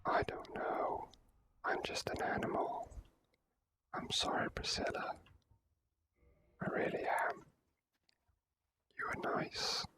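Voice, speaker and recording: An ASMR gaming host giving casual, drawn-out gameplay commentary in whispers. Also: poor audio.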